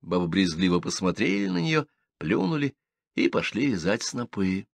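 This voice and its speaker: A man's voice: on the low side, big pitch swings, moderate pace, creaky, no room sound, clean studio sound. A man reading a literary story aloud in first person, expressively. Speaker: audiobook reader.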